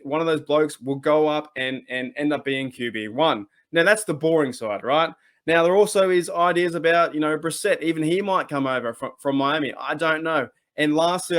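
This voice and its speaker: A man's voice: a little high, fairly bright tone. A man with an Australian accent hosting a sports talk channel, chatting casually and rambling with many restarts. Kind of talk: casual solo commentary.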